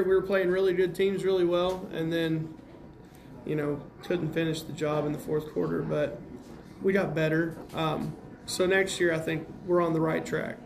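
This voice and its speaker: An American man, a high school basketball coach, answering interview questions in plain-spoken, casual terms as he breaks down games. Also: darkish tone. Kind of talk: interview answers, game analysis.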